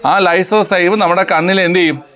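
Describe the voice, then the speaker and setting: A man's voice: high voice, steady tone, moderate pace, fairly bright tone. A male coaching teacher quizzing students, repeating key terms and teasing them with light banter outdoors. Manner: drills students with questions and repetition, teasing banter. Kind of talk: classroom quiz-style teaching. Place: outdoors with crows around.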